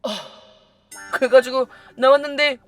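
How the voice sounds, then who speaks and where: Animated woman telling a story. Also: sits high, measured pace, faint music behind. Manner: animated, acts out other people's lines, laughs often. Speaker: YouTube storyteller. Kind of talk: casual storytelling to viewers.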